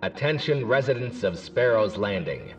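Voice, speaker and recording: An actor playing a stern male town official who reads out curfew orders over an outdoor loudspeaker, formal and commanding. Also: fairly low pitch, sing-song, normal speed, distant mic, muffled recording, soft background music. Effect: outdoor loudspeaker announcement.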